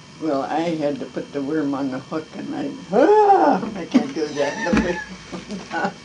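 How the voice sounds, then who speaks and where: A woman with an American accent talks at a very slow pace. Noticeable background noise runs behind her. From northern Michigan. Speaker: storyteller. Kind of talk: interview answer. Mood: relaxed, reminiscing. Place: home room. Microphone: camera far.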